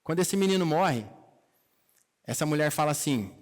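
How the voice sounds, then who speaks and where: A man's voice: fairly high pitch, lively intonation, normal speed, in a large hall. A man with a Brazilian Portuguese accent, preaching a sermon. He retells a Bible story in casual speech and acts out the characters' lines. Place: church hall.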